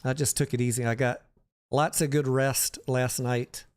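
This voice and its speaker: Guy doing a casual finance stream, clean resonant voice, medium pitch, talks right to his chat. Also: little pitch movement, moderate pace. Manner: conversational, addresses viewers by name. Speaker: livestream host and stock market commentator. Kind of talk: casual livestream chat answering viewer questions.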